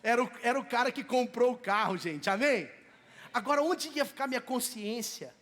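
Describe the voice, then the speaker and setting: A man's voice: very high-pitched, normal speed, fairly bright tone. A man with a Brazilian Portuguese accent, from Minas Gerais, preaching a sermon as pastor in a church, telling stories in a conversational way. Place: church sanctuary. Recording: long reverb of a church hall.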